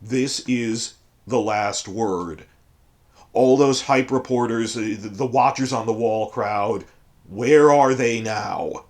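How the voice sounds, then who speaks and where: A hoarse man with a cold, giving emphatic, digressive commentary as a fantasy fandom channel host. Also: medium pitch, slow. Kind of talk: ranting commentary.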